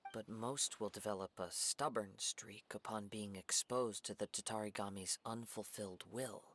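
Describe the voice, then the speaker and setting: An actor voicing a composed young male samurai wanderer who speaks in a measured, formal way. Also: fairly low pitch, bright, forceful tone. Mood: explaining.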